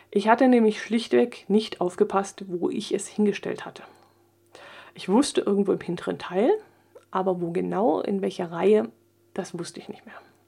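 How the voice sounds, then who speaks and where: A woman's medium-pitched voice with vocal fry and a dark, mellow tone, at a moderate pace with long, frequent pauses, ordinary pitch variation and big swings in loudness. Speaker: podcaster. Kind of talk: casual monologue, personal storytelling. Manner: hesitant, many filler sounds.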